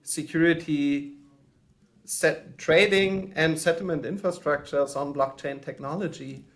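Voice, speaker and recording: A man's voice: a little high, fairly even intonation, unhurried, a bit bright. Hesitant German man guest on a call. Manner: thoughtful, hesitant, many fillers and restarts. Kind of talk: podcast interview answers. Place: home.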